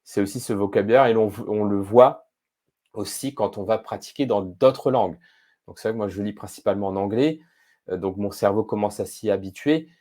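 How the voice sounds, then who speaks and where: Low, mellow-voiced man explaining calmly. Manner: thoughtful, measured, frequent hesitations. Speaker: podcast guest, speed-reading expert. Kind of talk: casual interview explaining.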